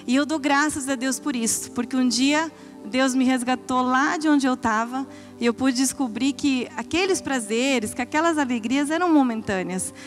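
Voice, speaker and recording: A young woman with a high, bright voice tells her church testimony in an earnest storytelling way, acting out what she once said. Soft music plays faintly behind her. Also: moderate pace. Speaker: pastor's wife giving testimony.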